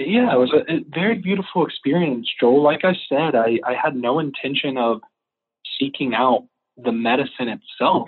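A man with an American accent speaks in an ordinary speaking voice at a fairly high pitch. His pace is moderate and his intonation lively. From Florida. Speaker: nutritionist and personal trainer. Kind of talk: interview conversation.

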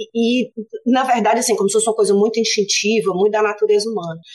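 A woman speaks in a fairly high pitch with fairly even intonation and very even loudness. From Brazil, Ceará (Fortaleza). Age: 40s. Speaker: political science professor. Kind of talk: casual interview.

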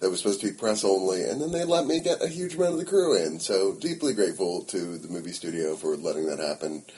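A man with an American accent talks at a very fast pace with hardly any pauses. Noticeable background noise sits behind him. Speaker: podcast host. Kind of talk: casual podcast intro.

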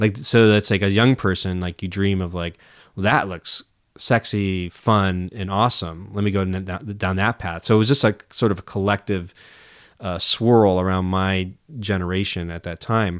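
A man with an unremarkable speaking voice speaks at a moderate pace and a fairly low pitch with fairly even intonation. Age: 40s. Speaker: filmmaker and podcast host. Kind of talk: interview conversation.

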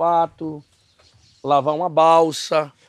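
A man's voice, fairly high in pitch. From Manaus, Amazonas, Brazil. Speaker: evangelical pastor. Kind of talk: interview.

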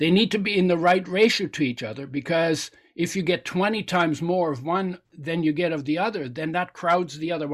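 A man's high voice at a moderate pace, with ordinary pitch variation, in a very clean recording with a silent background. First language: German. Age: 70s. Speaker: nutrition expert on dietary fats. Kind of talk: interview.

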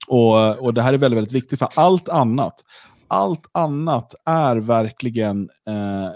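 Recorded very cleanly against a silent background, with a dry, close sound and no echo, a man with an ordinary speaking voice talks at a fairly slow pace with ordinary pitch variation. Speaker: web radio show host. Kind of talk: casual chat.

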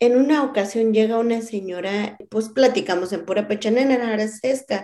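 A woman's fairly high voice with a dark, mellow tone, lively intonation and a fairly slow pace. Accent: Michoacán. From P'urhépecha community, Michoacán, Mexico. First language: P'urhépecha (speaking Spanish). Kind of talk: interview, life story.

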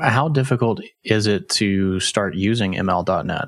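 This man has a plain, everyday voice. It sits fairly low in pitch with ordinary pitch variation. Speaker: podcast co-host. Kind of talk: interview.

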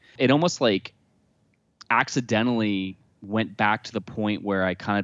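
A man with an American accent speaks in an ordinary speaking voice at a moderate pace, with fairly even intonation. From New Jersey (Jefferson). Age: 30s. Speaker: podcast host. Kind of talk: casual interview.

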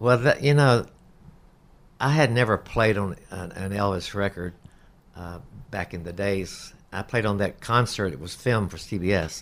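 With a Southern US accent, a man at fairly low pitch speaks with long, frequent pauses and big swings in loudness. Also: ordinary pitch variation, moderate pace, very clean recording, silent background. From North Carolina. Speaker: record producer. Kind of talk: interview. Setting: conference room.

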